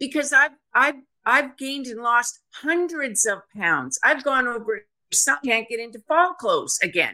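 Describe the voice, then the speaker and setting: With big swings in loudness, a raised, projected voice in a bright, sharp tone moves at a fairly slow pace with lively intonation. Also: woman, high pitch for a woman. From Toronto, Canada. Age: 60s. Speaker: retiree and weight loss program member. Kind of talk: casual chat. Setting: video call.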